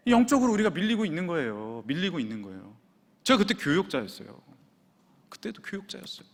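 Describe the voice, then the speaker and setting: Animated male pastor in a reverberant hall. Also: fairly high pitch. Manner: animated storyteller, swings between hushed asides and exclamations. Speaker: senior pastor. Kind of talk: sermon with personal storytelling. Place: church sanctuary. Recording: long church hall reverb.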